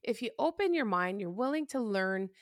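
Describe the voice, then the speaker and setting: A woman hosting a podcast interview, excitable and chatty, with lots of fillers and restarts. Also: medium pitch, moderate pace, no echo, clean studio sound. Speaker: podcast host. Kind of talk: casual interview chat.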